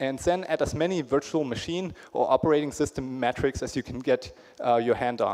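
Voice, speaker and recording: A man speaks at a fairly quick pace. His pitch is fairly high, with ordinary pitch variation. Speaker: conference speaker. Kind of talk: conference talk. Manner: fast.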